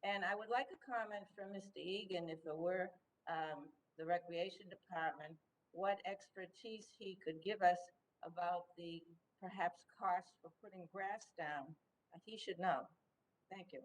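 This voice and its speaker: A woman with a fairly low voice addresses a public meeting. She speaks through a face mask, so her words sound muffled, and she keeps to a formal question-and-comment style. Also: a little slow. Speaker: town meeting member.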